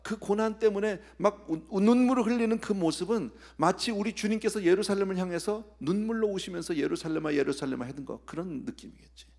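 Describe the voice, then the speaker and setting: A man's voice: sits high, a little mellow. A male pastor preaching an expository sermon at a midweek prayer service. He acts out scenes, drops to whispers and puts rhetorical questions straight to the congregation.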